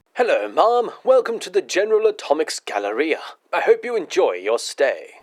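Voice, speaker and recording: Using a robotic put-on character voice in a British accent, a man speaks at a moderate pace. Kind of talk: proper, polite.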